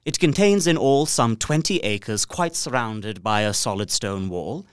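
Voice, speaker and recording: A man's voice: mid-range voice, lively intonation, measured pace, smooth, no room sound, clean studio sound, close to an everyday voice. An actor playing a polite, observant and uneasy young solicitor, narrating his journal earnestly and precisely in a gothic audio drama. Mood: polite, businesslike. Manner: precise, earnest, theatrical storytelling.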